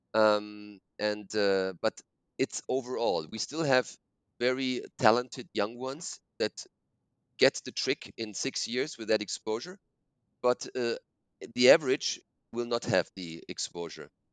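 At a fairly slow pace with long, frequent pauses, a man with a German accent and medium pitch speaks in a dry, close sound with no echo. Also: ordinary pitch variation. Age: 50s. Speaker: neurosurgeon. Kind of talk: interview. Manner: halting.

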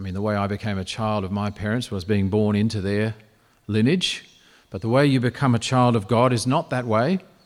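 A man talks at a fairly quick pace with an Australian accent. His pitch is fairly low, with ordinary variation. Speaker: pastor. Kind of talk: sermon.

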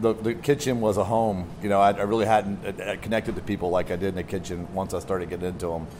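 A man talks very fast with an American accent and hardly any pauses. His pitch is fairly low, and his intonation is fairly even. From US southeast coast. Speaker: chef and restaurant owner. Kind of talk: casual interview. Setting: mobile studio inside a restaurant. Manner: halting, repeats words.

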